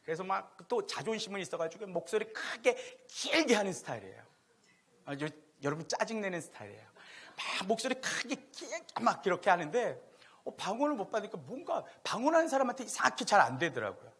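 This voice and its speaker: A middle-aged man preaching in a church, a pastor telling his own story to the congregation. His voice is loud and fairly high, with a husky edge, and it climbs and drops constantly as he moves from near-shouts to hushed confessions. He tells the story with self-mocking humor. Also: brisk. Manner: animated, swings from loud to hushed, laughing at himself. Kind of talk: sermon with personal storytelling. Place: church sanctuary.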